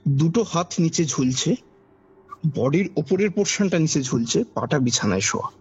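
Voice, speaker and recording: A podcast guest describes a personal ghost experience in a fairly high, expressive voice that's husky and gravelly, carrying a Kolkata Bengali accent and moving at normal speed. His telling is dramatic but conversational, with phrases repeated for effect, and the dull lo-fi audio sits under background music.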